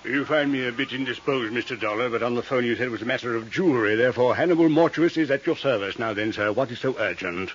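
An actor playing a vain, fussy master jeweler with florid, grandiose speech in a 1950s radio drama. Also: male voice, mid-range voice, fast talker, hardly any pauses, faint music behind, lightly acted. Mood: haughty, courtly. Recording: dull vintage 1950s radio recording.

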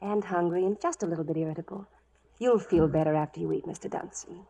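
A woman's voice: on the low side, fast talker, gravelly, warm tone, soft background music, low-quality recording. An actress playing a proud, lovelorn, bold frontier woman in a radio western, speaking directly and challengingly, with yearning. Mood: cool, provoking. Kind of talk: 1940s radio western acting.

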